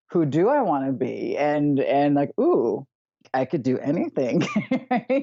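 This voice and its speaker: A woman speaks at a fairly slow pace. Her loudness stays very even throughout. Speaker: healer. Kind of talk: interview answer.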